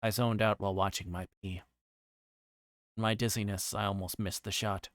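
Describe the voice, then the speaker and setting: A man's voice: on the low side, fairly even intonation, normal speed, fairly bright tone, no echo, studio quality. A man livestreaming a visual novel, reading the narration aloud with casual asides and occasionally stumbling over and repeating lines.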